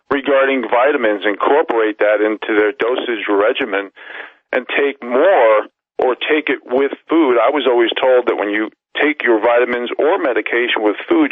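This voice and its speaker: A man's voice: mid-range voice, no room sound. A man of sixty hosting a radio interview, asking polite, rambling questions with many fillers. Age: 60s. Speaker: radio host. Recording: tinny phone line.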